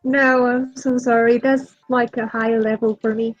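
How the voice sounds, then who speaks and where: A woman playing a tabletop role-playing game, chatting casually with a hesitant, gentle delivery. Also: fairly high pitch, level tone, a little slow, dry recording, dull audio, faint music behind. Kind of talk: casual role-play chat.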